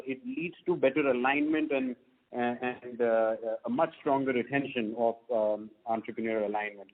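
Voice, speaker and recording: A man with an Indian accent speaking as a company executive on a conference call, answering off the cuff and repeating words for emphasis. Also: medium pitch. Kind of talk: spontaneous business question-and-answer. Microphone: conference call line. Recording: tinny, band-limited phone line.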